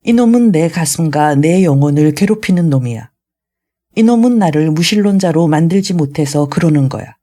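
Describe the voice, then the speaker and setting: A raging old retired general roars insults and curses at his family in a storybook reading. His voice stays mellow and warm in tone, sitting at a middle pitch, as a reader acts him out. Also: lively intonation, moderate pace, close to an everyday voice. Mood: ranting. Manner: shouting, scolding.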